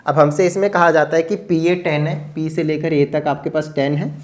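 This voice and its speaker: A man's voice: fairly high pitch, fairly even intonation. A man teaching a maths lesson at speed, often asking the students whether they follow. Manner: fast-talking, asks rhetorical check questions.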